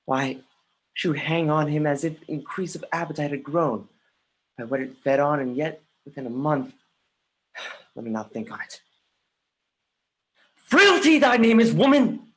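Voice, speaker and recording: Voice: mid-range voice, very animated, a little slow, pauses often, a bit bright. An actor playing a grieving, bitter young prince in a livestreamed Shakespeare reading, with brooding, emphatic verse delivery. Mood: anguished, bitter.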